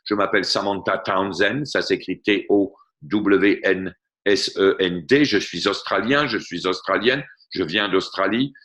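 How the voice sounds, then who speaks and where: A man gives a patient one-on-one lesson over a video call. His voice sits a little low but has a bright, forward ring. He talks through grammar examples at an easy teaching pace. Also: a little slow. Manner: explains patiently, mixes in English glosses. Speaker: French tutor. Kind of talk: online tutoring session. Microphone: computer mic on a video call.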